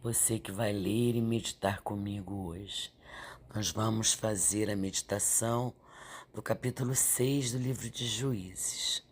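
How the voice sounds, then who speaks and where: A woman, stuffy and nasal from a sore throat, leading a slow, gentle Bible meditation and prayer. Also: very deep voice, fairly even intonation, slight background noise. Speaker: Bible devotional teacher.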